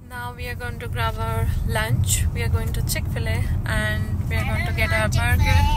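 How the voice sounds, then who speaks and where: Over loud background noise, a woman's voice comes through with a dry sound and no echo. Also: moderate pace. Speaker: vlogger mother. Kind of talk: casual vlog chat. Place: car. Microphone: phone near.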